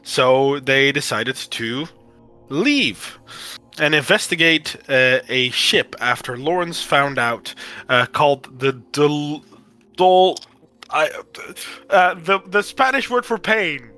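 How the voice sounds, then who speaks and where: A man recapping last session of a tabletop game, his voice hoarse and worn. He speaks in a fairly high, bright and forceful tone. He halts often with fillers and clears his throat. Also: animated, takes it slowly. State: hoarse, voice shredded. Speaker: player giving session recap.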